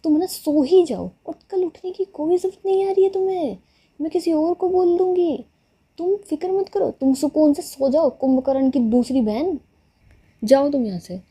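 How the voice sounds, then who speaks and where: Sarcastic, bossy young woman teasing her girlfriend on the phone, slightly high and husky, as a female storyteller plays her. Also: a little slow, long pauses, warm tone. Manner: playful taunting, sarcastic.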